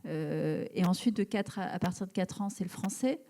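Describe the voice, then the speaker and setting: Thoughtful woman with a mellow voice. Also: fairly low pitch, moderate pace. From Algeria. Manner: thoughtful, many fillers and restarts. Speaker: writer, interview guest. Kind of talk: live public interview. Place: event hall before an audience.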